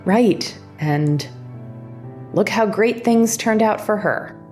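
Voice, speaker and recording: A woman's voice: medium pitch, slow pace, a little mellow, natural voice. An actress plays an exasperated, bossy sister in a horror audio drama. Her mid-range female voice is blunt and sarcastic, insistent but concerned, over a faint music bed. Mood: concerned, wry. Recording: music underneath the voice. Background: background music.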